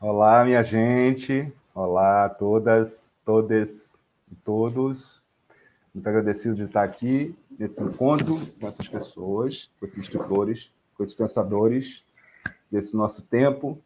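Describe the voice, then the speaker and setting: A middle-aged man speaks in a low voice over a video call from his home study. He introduces himself on a panel, unhurried and reflective. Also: darkish tone. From Rio de Janeiro, Brazil. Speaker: author on a panel.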